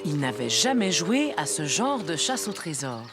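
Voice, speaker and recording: A woman narrating a children's cartoon as a gentle storyteller, reading scripted French story lines. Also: deep voice, sing-song, moderate pace, music in the background. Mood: gentle storytelling.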